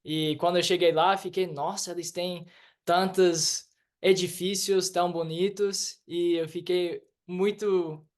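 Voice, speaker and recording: A man speaking learned Portuguese slowly and haltingly as an interview guest. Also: high voice, flat delivery. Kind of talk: casual interview chat.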